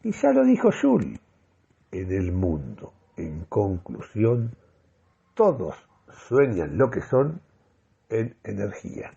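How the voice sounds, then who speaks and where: An actor playing a euphoric, deluded man who solemnly delivers a grandiloquent radio monologue with deliberate, dramatic pauses. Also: lowish voice, huge pitch swings, gravelly, warm tone, breathy edge, lo-fi sound, heavily acted. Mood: solemn, exalted. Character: euphoric, deluded man convinced of mystical energy communication. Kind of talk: theatrical first-person radio monologue.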